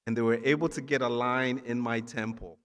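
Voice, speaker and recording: A man who grew up in Nigeria and works as a physician assistant delivers a ceremony keynote to students in a large indoor hall, where his voice echoes with long reverb. Mid-pitched and a bit bright, he keeps a fairly even intonation while encouraging them with emphatic phrases and short pauses.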